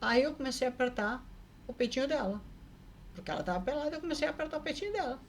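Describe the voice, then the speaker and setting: Woman vlogger, slightly high pitch, lively and chatty, spins her anecdote with many tag questions. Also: racing, a little hiss or hum. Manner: lively, acts out the people in her story. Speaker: vlogger telling personal stories. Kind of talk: casual storytelling.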